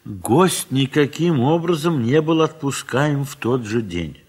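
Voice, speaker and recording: An actor as a reflective, affectionate literary narrator in an audio drama. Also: male voice, medium pitch, lively intonation, unhurried, husky. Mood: fond, reflective. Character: reflective, affectionate male literary narrator recalling old friends.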